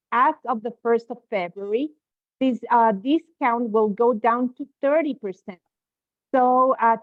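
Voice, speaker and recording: A woman hosting a live webinar, going through sales promotions quickly with frequent filler sounds over a video call. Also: fairly high pitch, no room sound. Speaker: host presenting promotions. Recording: tinny, dry call audio.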